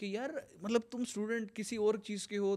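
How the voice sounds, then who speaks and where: The man's voice sits at a high pitch. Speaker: corporate trainer and motivational speaker. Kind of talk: casual interview chat.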